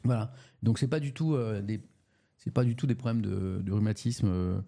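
A man hosting a casual live-stream review of the morning papers. He speaks haltingly, often restarts and repeats words, and asks his audience questions. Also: lowish voice, creaky, mellow.

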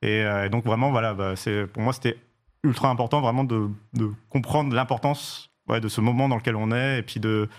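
Fast-talking man in his thirties, full of fillers. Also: medium pitch, steady tone. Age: 30s. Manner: fast, hesitant, many fillers and restarts. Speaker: journalist and campaign organizer. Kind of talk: political discussion.

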